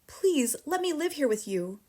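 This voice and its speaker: A woman's voice: big pitch swings, moderate pace. A woman voicing a frantic little girl. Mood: eager pleading. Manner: high, breathless, pleading cries. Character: small bright girl, eager and easily upset.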